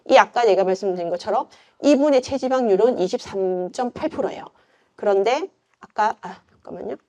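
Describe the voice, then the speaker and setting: A woman's voice: mid-range voice, warm tone. A middle-aged woman with a Gyeongsang accent, giving an informal lecture as a yoga instructor, chatty and full of rhetorical questions. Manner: chatty, conversational, frequent fillers and rhetorical questions.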